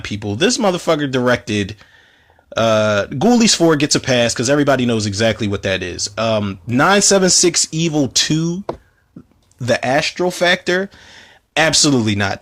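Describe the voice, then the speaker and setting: A man with a slightly hoarse voice, hosting a casual movie commentary podcast, rambling and cursing as he talks. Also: medium pitch, a bit bright. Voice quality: rambling, profane, self-interrupting.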